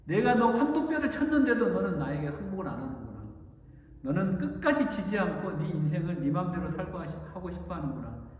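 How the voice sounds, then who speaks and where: A man's voice: high-pitched, sing-song, fairly quick, darkish tone, heavy reverb, long reverb tail, recorded from a distance, slight background noise. A man voicing God as a stern male figure who bluntly scolds a selfish man.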